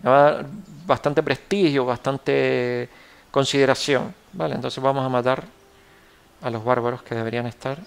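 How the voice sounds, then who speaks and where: A man's voice: mid-range voice, steady tone, normal speed, gravelly, smooth. A young man with a Canarian Spanish accent, giving casual gameplay commentary as he plays, rambling and correcting himself as he thinks aloud. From Canary Islands, Spain. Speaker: gameplay tutorial host.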